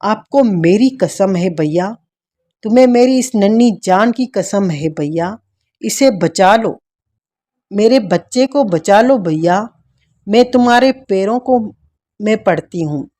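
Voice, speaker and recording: A frantic young mother in a storybook tale , voiced by a woman, begging and anguished. Her slow, soft lines are warm. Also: medium pitch, expressive. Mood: pleading. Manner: pleading, anguished. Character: desperate young mother pleading for her baby.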